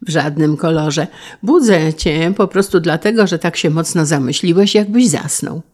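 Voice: mid-range voice, normal speed, darkish tone, natural voice. A narrator voicing a playful lady of the house who chides her husband in an audiobook. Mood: chiding. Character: teasing married lady of the house. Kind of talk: audiobook character reading.

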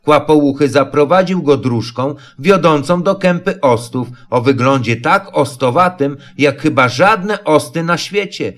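A man narrating a children's storybook in a calm, measured way. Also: a little high. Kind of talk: storybook reading.

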